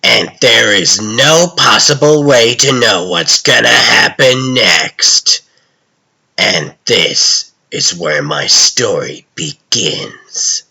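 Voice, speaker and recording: A man voicing a sinister, menacing dark vigilante who narrates a comic dub in slow, ominous, gravelly storytelling with dramatic pauses. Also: mid-range voice, lively intonation, full character voice. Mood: slow menace.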